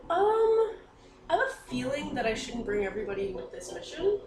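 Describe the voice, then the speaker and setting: A woman's voice: high-pitched, big pitch swings, normal speed. A woman playing a tabletop game and chatting casually with the group. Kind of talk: casual chat. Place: indoor room with other players. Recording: echoey room, distant mic, clear background noise.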